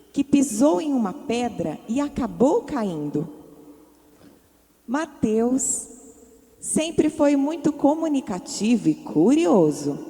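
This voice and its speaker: A woman reads a children's moral story in a clear, measured way. Her voice is slow, mellow and lively in pitch. It rings with long church reverb. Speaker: story reader. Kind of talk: scripted narration.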